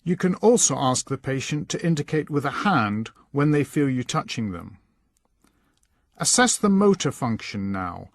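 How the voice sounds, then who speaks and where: A man reading scripted instructional narration in a measured, instructing manner. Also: mid-range voice, big pitch swings, no echo, studio quality. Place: dry voice-over recording.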